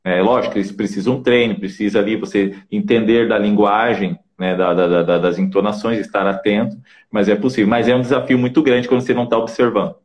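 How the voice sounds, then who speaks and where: Speaking fairly quickly with barely any pauses, this man has a lowish, somewhat mellow voice and fairly flat intonation. He coaches on communication with a Brazilian Portuguese accent during a laid-back online interview, teaching in a didactic style sprinkled with "tá?" and "né?" checks.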